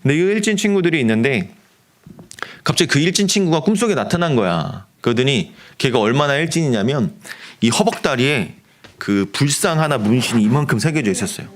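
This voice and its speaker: A man's voice: medium pitch, fairly quick. A middle-aged man, a pastor preaching a youth sermon, telling a story and acting out the voices in it. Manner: animated, acts out quoted voices of friends.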